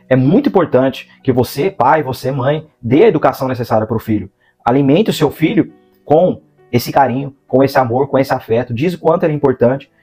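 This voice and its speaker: A man's voice: medium pitch, darkish tone, husky. A man in his thirties from the São Paulo interior with a Brazilian Portuguese accent, giving an earnest religious testimony to camera on a lapel mic, drawing out key words for emphasis. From Brazil, interior of São Paulo state. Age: 30s. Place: indoor room, seated in a gaming chair. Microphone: clip-on lapel mic.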